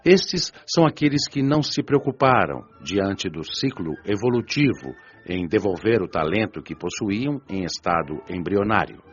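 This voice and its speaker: Solemn, low-voiced Brazilian preacher. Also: male voice, lively intonation, breathy edge. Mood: solemn, earnest. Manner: solemn, didactic, measured, rhetorical. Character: earnest, solemn male spiritual preacher explaining a parable. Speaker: spiritual lecturer in an audiobook radio drama. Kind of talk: scripted sermon-like lecture. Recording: dull lo-fi audio under music. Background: music.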